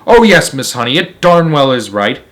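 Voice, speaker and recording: A man voicing a loud, domineering middle-aged headmistress who barks and scoffs in a children's storybook reading. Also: mid-range voice, very animated, normal speed. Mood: blustering. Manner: barking, shouting, scornful. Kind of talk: children's storybook read-aloud.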